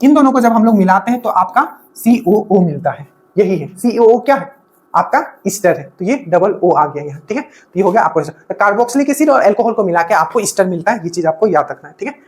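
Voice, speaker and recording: A woman teaching an exam-prep lesson, explaining step by step, repeating key points and often checking in with her students. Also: on the high side. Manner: explains step by step, often checking in with "okay" and asking rhetorical questions. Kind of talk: exam-prep classroom lecture.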